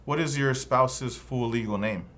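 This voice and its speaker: A man with a medium-pitched, somewhat bright voice speaks at a measured pace as a male immigration officer conducting an interview. In this scripted practice dialogue, he asks formal, neutral questions.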